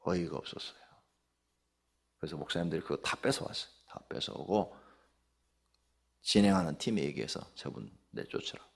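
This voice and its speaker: A man's voice: low-pitched, fairly quick, gravelly, long pauses. A middle-aged man, a pastor, preaching a dawn-service sermon, telling stories and asking the congregation rhetorical questions.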